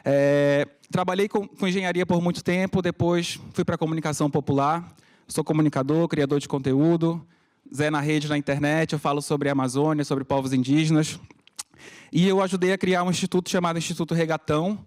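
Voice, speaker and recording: Casting: man, 30, Paraense accent, slightly high voice, frank conversational public speaker, unscripted. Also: steady tone, fairly quick, darkish tone. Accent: Paraense Brazilian. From Pará, Brazil. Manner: frank, conversational, frequent tag questions. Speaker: content creator and community leader speaking at a conference. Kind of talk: informal unscripted public talk.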